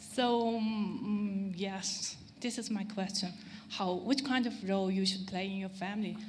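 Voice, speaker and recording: A woman at medium pitch speaks at a fairly slow pace with fairly even intonation. Noticeable background noise and audible room echo fill the recording. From Lhasa, Tibet. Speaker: audience member asking a question. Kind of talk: audience Q&A. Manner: halting, many fillers.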